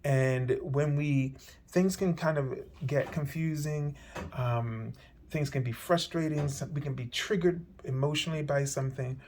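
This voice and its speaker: A man doing a weekly tarot reading, speaking gently and meanderingly with many fillers, his voice slightly hoarse. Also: on the high side. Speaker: tarot reader.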